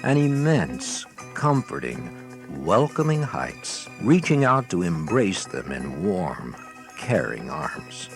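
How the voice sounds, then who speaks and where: A man's voice: on the low side, very animated, takes it slowly, creaky, over loud music. A man narrating a scripted training filmstrip in a wry, theatrical storytelling manner, recorded on an old 1980s cassette. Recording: noisy 1980s cassette with clicks.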